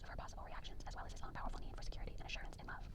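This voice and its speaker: Someone whispers at a very fast pace. Noticeable background noise is present. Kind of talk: ASMR whisper reading of a vintage book. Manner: whispered.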